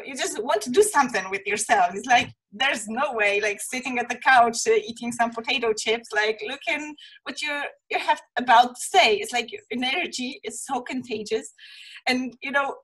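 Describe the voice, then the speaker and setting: A woman with a high-pitched voice hosts a casual interview. Her tone has a husky edge, and she talks in an informal, enthusiastic manner. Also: a bit bright, poor audio. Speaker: interview series host.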